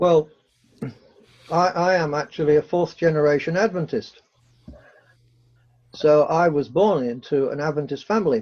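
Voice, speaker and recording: A man with a British accent speaks at a moderate pace, his pitch fairly high. His pitch varies in an ordinary way, and he leaves long, frequent pauses. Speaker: guest speaker. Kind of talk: interview.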